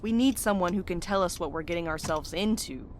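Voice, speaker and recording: Low-pitched, curt, sardonic woman played by an actress. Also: a little fast, slight background noise, close to an everyday voice. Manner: curt, dry, skeptical. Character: blunt, suspicious, sardonic woman. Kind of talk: audio drama dialogue.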